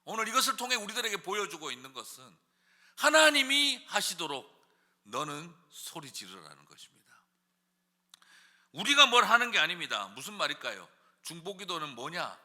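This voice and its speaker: Impassioned preacher, bright tense voice. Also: male voice, on the high side, big pitch swings, brisk, long reverb tail. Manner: swings from quiet musing to loud impassioned shouting; asks rhetorical questions. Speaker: pastor. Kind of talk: sermon. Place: church sanctuary.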